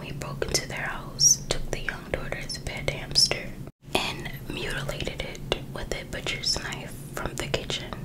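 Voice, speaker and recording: An American woman reads aloud in a soft, unvoiced whisper for ASMR. Her delivery is very slow and breathy. She keeps it hushed and informal, like someone reading a book aloud with her own casual remarks. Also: poor audio. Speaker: ASMR host reading a true crime book.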